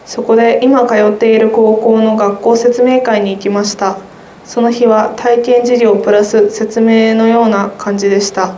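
A woman's voice: fairly high pitch, level tone, normal speed, warm tone. A teenage girl, a student guest, reading her own essay aloud in a careful, earnest way. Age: teens. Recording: roomy sound with faint noise.

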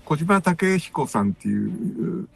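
A man, a composer and music producer appearing as a radio guest, recounting anecdotes in a relaxed, rambling way with many fillers and asides. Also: on the high side, takes it slowly, gravelly, slightly rough, no room sound.

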